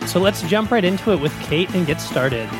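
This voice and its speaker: A man's voice: high voice, lively intonation, moderate pace, over music. A man co-hosting a podcast, joking with a sarcastic edge. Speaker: podcast co-host. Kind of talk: podcast chat.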